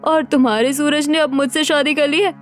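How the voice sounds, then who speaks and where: Cruel, mocking city woman in a cartoon, high and sneering, as a woman puts her on. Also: steady tone, fairly quick, faint music behind, close to an everyday voice. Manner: contemptuous, sneering. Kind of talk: cartoon story voice acting.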